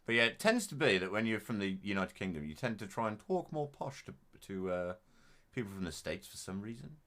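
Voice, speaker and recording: Animated Black Country man streaming a game. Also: lowish voice, brisk. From English Midlands. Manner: rambling, joking, animated. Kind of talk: casual let's play commentary.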